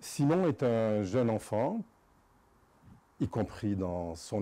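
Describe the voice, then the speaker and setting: Fairly low male voice, dark and mellow in tone, its pitch moving in a normal way. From Algeria (Constantine). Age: 70s. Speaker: author. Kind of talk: interview. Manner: hesitant.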